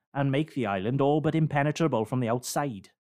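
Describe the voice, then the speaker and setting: A voice with a British accent on a very clean recording with a silent background. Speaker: dungeon master. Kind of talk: tabletop role-play narration.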